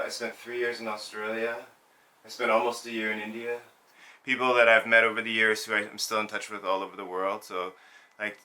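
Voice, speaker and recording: Recorded from a distance, this man's bright, forceful, mid-range voice belongs to a burlesque and cabaret performer born in Zambia. Speaking thoughtfully for a documentary interview, he frequently starts sentences over as he searches for words.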